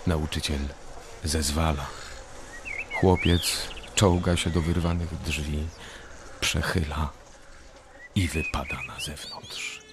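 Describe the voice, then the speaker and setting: A man's voice: extremely low pitch, steady tone, slow, long pauses, noisy background. A man narrating a radio drama from a script.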